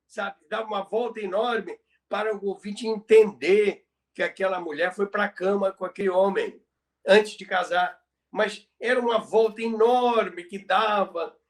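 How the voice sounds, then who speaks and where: A man with a Brazilian accent telling radio history in conversation, emphatic and repeating phrases for effect. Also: high-pitched. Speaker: guest recounting radio history. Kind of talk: conversational storytelling.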